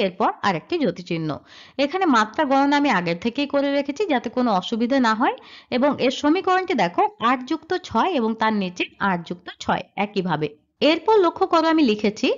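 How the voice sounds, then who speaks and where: High lively-voiced woman teaching a lesson. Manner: explains step by step, asks and answers her own questions. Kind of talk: slide-based grammar lesson. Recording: dull lo-fi sound.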